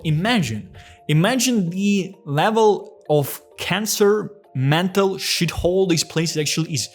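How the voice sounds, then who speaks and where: Blunt, profane man with light music. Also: a little high. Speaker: crypto commentator. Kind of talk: casual commentary video.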